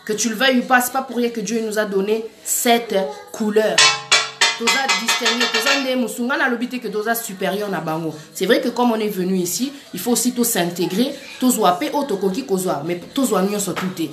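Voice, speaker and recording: A woman's voice: mid-range voice, fairly quick, a bit bright. Earnest woman preaching in an echoey room. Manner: earnest, urgent, direct address to listeners. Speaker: Christian speaker. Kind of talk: exhortative preaching-style monologue. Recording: echoey room with faint music. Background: faint background music.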